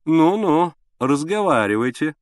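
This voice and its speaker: A man reading an audiobook, voicing a stout, good-natured middle-aged father with a sly, gently mocking manner. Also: a little high, sing-song, measured pace, dry recording, studio quality, voice pushed up. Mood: teasing.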